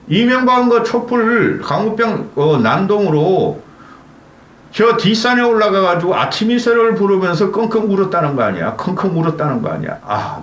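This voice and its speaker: A man rants through heated political commentary, scolding his targets and tossing in sharp rhetorical "eh?" tags between lines. His fairly high voice swings widely up and down. The sound bounces around a roomy space. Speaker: political commentary channel host. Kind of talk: angry political commentary rant.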